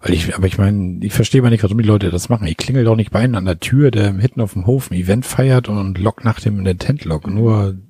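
A man from Germany, co-hosting a casual podcast in a relaxed, agreeable way. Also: fairly low pitch, fast, hardly any pauses, slightly rough, no echo. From northern Germany. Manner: relaxed, agreeable, says "ne?" and "Ja" often. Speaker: podcast co-host.

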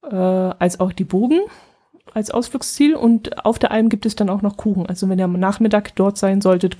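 A woman hosting her own podcast, talking casually and at ease, with fillers and small laughs. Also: medium pitch. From Allgäu, Germany. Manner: chatty and relaxed, with frequent fillers and small laughs. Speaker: podcast host. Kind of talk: casual solo podcast chat.

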